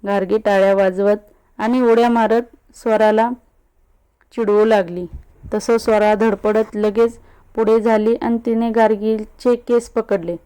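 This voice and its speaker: A woman narrating a love story in an even, unhurried storytelling manner. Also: medium pitch, smooth.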